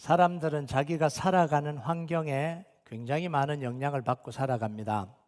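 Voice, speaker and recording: A man talks at a moderate pace in a fairly high voice with ordinary pitch variation, on a very clean recording with a silent background. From rural South Korea. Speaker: pastor. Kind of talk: sermon. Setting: church.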